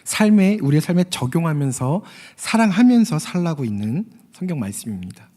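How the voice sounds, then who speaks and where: A man's voice: fairly high pitch, very animated, fairly quick, warm tone. Earnest male preacher in a reverberant hall. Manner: earnest, tells a story with quoted voices, addresses listeners. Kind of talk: sermon. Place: church hall.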